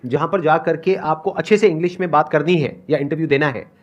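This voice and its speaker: A man's voice: fairly high pitch, a little fast, dull audio. A man hosting a live event, chatting and explaining in a loose, self-mocking way. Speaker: host.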